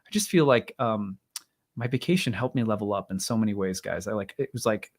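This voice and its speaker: A man in his thirties or forties hosting an astrology livestream. He talks casually and rambles, with many fillers and restarts, and clears his throat now and then because his voice is strained and tiring. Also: lowish voice, lively intonation, fairly quick. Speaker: astrologer, live stream host. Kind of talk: casual livestream talk and chart reading.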